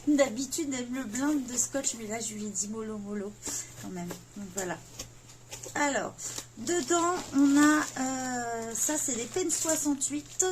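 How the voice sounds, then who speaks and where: A woman's voice: fairly high pitch, noisy background. A woman, chatting casually as she unboxes gifts, full of fillers and self-mocking asides. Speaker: coloring vlogger.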